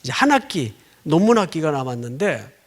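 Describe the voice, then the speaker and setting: A middle-aged man preaching a sermon, telling a story with dramatic swings, from loud outbursts to near-whispers, and prompting the congregation for responses. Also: fairly high pitch, very animated, a little fast. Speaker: pastor.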